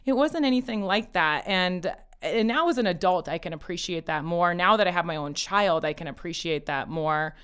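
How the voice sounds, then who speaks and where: Woman, Farsi first language, smooth clear voice, casual interview guest. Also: fairly low pitch, lively intonation, moderate pace, hardly any pauses, fairly bright tone. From Colorado, USA. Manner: chatty, laughs easily, quotes her parents. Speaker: family lawyer, interview guest.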